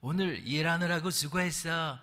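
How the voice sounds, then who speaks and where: A man voicing a pushy senior male foreign factory worker who loudly insists his junior drink with him. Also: a little high, normal speed. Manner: bossy, loud, insisting on drinks.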